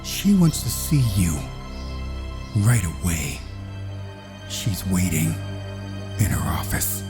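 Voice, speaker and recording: A sinister warden from an audio horror drama who relishes every word. His delivery is slow, theatrical and mocking, leaping wildly up and down in pitch over prominent music. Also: very animated, exaggerated voice. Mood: smug. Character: gleefully menacing male warden of a sinister facility.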